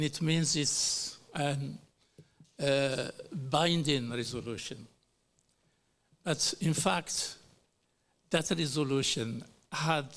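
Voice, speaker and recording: A middle-aged man from Algeria giving a formal speech as a panel speaker at a human rights hearing, slow and deliberate, with pauses and fillers. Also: medium pitch, fairly bright tone.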